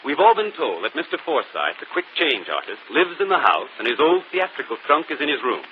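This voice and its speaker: An actor playing a brilliant, self-assured gentleman detective in a 1940s radio mystery, explaining calmly. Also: mid-range voice, brisk, lightly acted. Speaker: detective and show host. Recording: muffled old radio broadcast, faint hiss.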